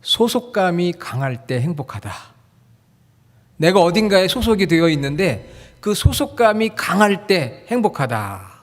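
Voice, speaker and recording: Korean-speaking male pastor, a touch higher voice, chatty sermon that teases and questions the congregation, long echo in the sanctuary. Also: big pitch swings, measured pace. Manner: friendly, jokes and quizzes the congregation. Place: church sanctuary. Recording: long hall reverb.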